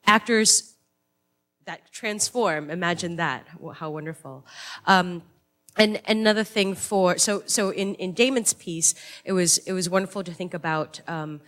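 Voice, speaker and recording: Woman, American accent, from Singapore, low-pitched, eager and halting, panel talk. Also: fairly bright tone. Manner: enthusiastic, many fillers and restarts. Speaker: theatre director. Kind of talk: panel discussion answer. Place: theatre stage at a public event.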